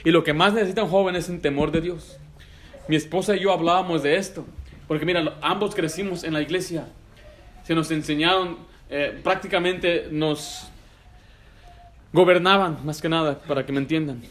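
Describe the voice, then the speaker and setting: A man's voice: a little high, fairly even intonation, normal speed. A middle-aged man preaching a sermon to young people in a church, direct and emphatic, firing rhetorical questions and dropping in English phrases. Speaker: pastor.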